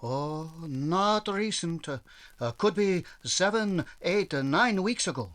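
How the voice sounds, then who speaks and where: Guy doing a polite restaurant owner, high voice that moves up and down a lot, hesitant formal wording, old radio play. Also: animated, slow pace, fairly bright tone, heavily acted. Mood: polite, obliging. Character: courteous, obliging male Chinese restaurant owner. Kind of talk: 1940s radio drama acting.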